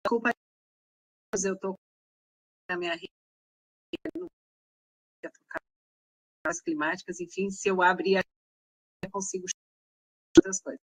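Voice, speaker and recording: A woman teacher speaking on a video call whose audio keeps breaking up and dropping out, her phrases halting and cut short. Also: medium pitch, very animated, vocal fry, breathy edge, no echo, rough recording. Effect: glitchy audio that keeps cutting out. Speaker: teacher asking a question in an online class. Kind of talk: casual remarks on a video call. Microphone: video call from home network.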